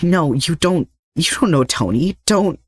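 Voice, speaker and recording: A man's voice: fairly high pitch, lively intonation, measured pace, breathy edge, no room sound, voice pushed up. A man voicing a defiant, sarcastic young hero held captive in an audio story, snarky and agitated. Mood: distressed.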